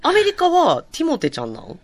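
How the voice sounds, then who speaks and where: A woman with a Kansai accent co-hosting a radio talk show, brisk and chatty with frequent laughter. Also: high-pitched, huge pitch swings. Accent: Kansai Japanese. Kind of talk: casual radio chat.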